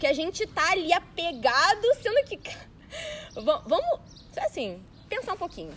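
There is noticeable background noise. A woman speaks with very wide pitch swings. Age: 20s. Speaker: writer and spiritual mentor. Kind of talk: casual interview, personal story.

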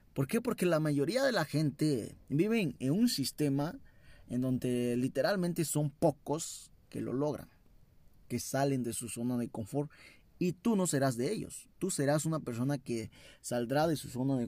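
A man speaks at a fairly slow pace with a fairly high pitch, a dark, mellow tone and lively intonation, on a very clean recording with a silent background. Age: 20s. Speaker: motivational podcaster. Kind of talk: motivational monologue. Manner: halting, frequent repetitions and fillers.

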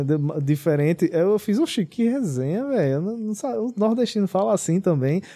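In a very clean recording with a silent background, a man talks at a high pitch with lively intonation and a dark, mellow tone. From Caruaru, Pernambuco, Brazil. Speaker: podcast co-host, audiovisual worker. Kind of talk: casual chat.

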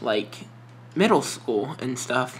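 The voice has an American accent. It moves at a very slow pace. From Pittsburgh, Pennsylvania. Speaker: college student. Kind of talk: casual chat.

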